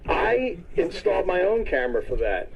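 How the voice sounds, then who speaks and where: A man's voice: sits high, big pitch swings, normal speed, creaky. A man in an unscripted argument, defensive and stubborn, going back over the same points. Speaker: TV director on a radio show staff. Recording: dull, lo-fi radio studio sound.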